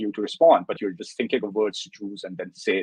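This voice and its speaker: A man with a Pakistani accent speaks at a very fast pace. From Pakistan, Lahore. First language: Urdu. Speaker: former immigration client. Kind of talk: interview. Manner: halting, many restarts.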